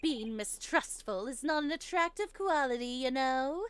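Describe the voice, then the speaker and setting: A woman's voice: high-pitched, expressive, unhurried, fairly bright tone, clear, resonant tone, voice pushed up. A woman voicing a smug, sneering male prosecutor in a courtroom game, with a condescending, taunting manner.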